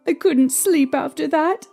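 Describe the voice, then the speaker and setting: A woman playing a young mother shaken by strange happenings, recalling them in a halting, hesitant way. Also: high-pitched, darkish tone, exaggerated voice. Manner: hesitant, halting recollection with restarts. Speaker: interviewee recounting events. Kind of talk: fan audio drama acting. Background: faint music.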